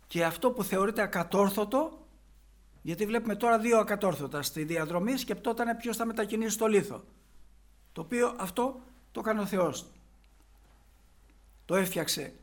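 High-voiced man preaching a sermon. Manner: explains scripture and asks rhetorical questions.

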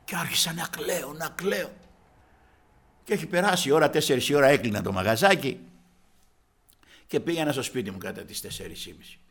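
Gravelly, animated older male preacher. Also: a little high, pauses often. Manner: addresses the congregation as brothers, retells his story vividly. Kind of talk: sermon with personal testimony.

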